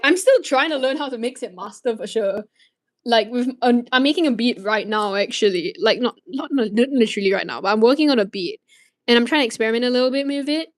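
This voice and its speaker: A teenage woman from Malaysia chats on her stream, her voice sitting a bit high. She rambles through viewer questions, restarting her sentences and swearing casually.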